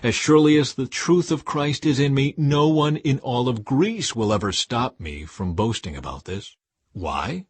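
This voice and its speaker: A man with a husky, mid-pitched voice gives an expressive reading of scripture in modern English. His phrasing is emphatic and rhetorical. The recording is dry, with no audible room around him. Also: normal speed, no room sound. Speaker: scripture reader.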